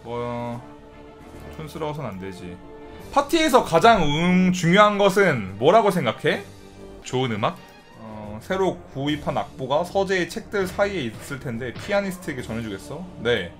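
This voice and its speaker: A man casually commenting on his gameplay as a streamer, chatty and breaking into loud excited outbursts and swearing. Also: fairly high pitch, normal speed, soft background music. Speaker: game streamer.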